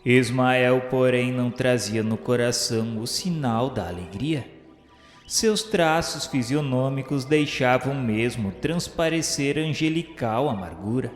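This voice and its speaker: A man's voice: medium pitch, unhurried. A Brazilian man giving a formal, reverent scripted narration for a religious radio novela, in grand solemn phrasing. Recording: roomy long reverb, music behind. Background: music.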